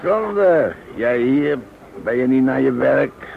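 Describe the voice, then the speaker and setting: Creaky-voiced Jewish street vendor. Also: male voice, medium pitch, expressive, takes it slowly, heavily acted. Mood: surprised. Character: frightened Jewish street vendor hawking pickled liver sausage. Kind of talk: Dutch radio play acting. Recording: noisy muffled old radio play recording.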